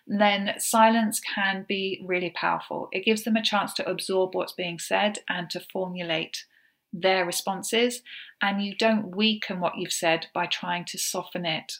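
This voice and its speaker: Woman giving calm podcast advice. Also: mid-range voice. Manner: practical, explains step by step with gentle fillers. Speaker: podcast host. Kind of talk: solo coaching podcast.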